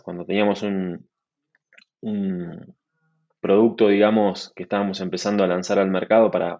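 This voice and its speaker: Argentine man speaking low on a call. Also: lo-fi sound. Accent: Argentine Spanish. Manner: relaxed, fluent, many restarts and fillers. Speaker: guest, startup manager. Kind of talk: conversational interview.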